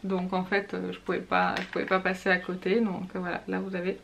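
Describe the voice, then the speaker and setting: A woman's voice: on the low side, completely flat delivery, brisk, gravelly, a little hiss or hum. A woman vlogger in a casual product haul, chatting with hesitant fillers and reading product labels aloud, indoors at home. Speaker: beauty vlogger.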